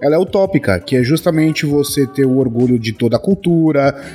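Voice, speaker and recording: A man joining a casual group discussion, halting and restarting as he builds his point. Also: mid-range voice, dark tone, breathy edge, faint music behind. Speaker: discussion participant.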